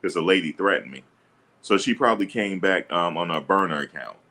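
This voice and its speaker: Deep-voiced, assertive man streaming live. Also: a little fast, bright, forceful tone. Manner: assertive, blunt, combative. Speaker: livestream host. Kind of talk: livestream commentary answering chat. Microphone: streaming setup.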